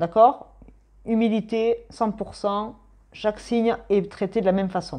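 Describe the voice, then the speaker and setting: At a very slow pace, a woman with a southern French accent speaks in a fairly high voice with a dark, mellow tone. The background is quiet. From southern France. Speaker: tarot reader and astrologer. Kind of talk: tarot reading video monologue. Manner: casual, hesitant with fillers.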